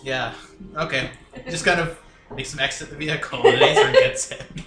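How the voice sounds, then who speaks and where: A man's voice: fairly high pitch, huge pitch swings, normal speed, heavy background noise. A man playing a tabletop game, casually describing what his character does. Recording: echoey room under loud guitar music.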